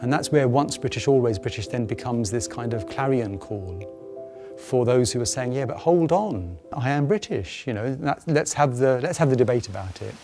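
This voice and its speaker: A man's voice: medium pitch, expressive, normal speed, a little mellow, soft background music. A man explaining a research project in interview style.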